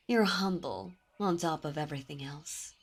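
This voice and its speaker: A woman voicing a dominant, possessive demon princess in an ASMR roleplay, speaking in a silky, commanding way with soft whispers. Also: sits low. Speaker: voice actor. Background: birdsong and ambient sound effects.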